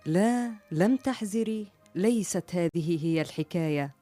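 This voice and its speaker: A tender, patient mother in a radio story, soothing her daughters at bedtime. Her voice is low and dark-toned yet moves widely in pitch, with soft music behind. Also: lively intonation, unhurried. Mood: teasing. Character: gentle, patient mother of three girls.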